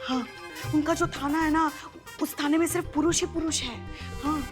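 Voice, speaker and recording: An actress playing an older, emotional head constable who pleads dramatically and stammers, in a TV serial. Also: female voice, sits high, steady tone, normal speed, over music, natural voice. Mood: earnest worried. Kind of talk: TV serial acting.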